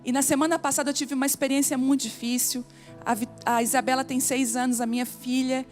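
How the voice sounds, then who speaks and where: A woman's voice: high voice, little pitch movement, fast, soft background music. A middle-aged Brazilian woman pastor preaching at a women's conference, telling personal stories and building to emphatic exhortation. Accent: Brazilian Portuguese. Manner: emotional, personal storytelling, rising to emphatic preaching. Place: church conference stage.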